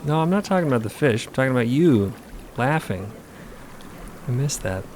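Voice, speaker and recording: A male actor as an affectionate, excitable husband in an audio drama. His mid-pitched voice is earnest and conversational, with clear sloshing water noise behind it. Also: moderate pace, close to an everyday voice. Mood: tender, earnest.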